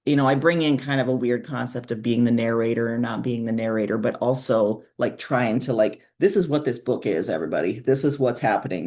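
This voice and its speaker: A woman's voice: rumbling low, warm tone. A woman speaking as a guest author in a casual interview, explaining her thinking in an informal, reflective way. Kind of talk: casual, conversational interview answers.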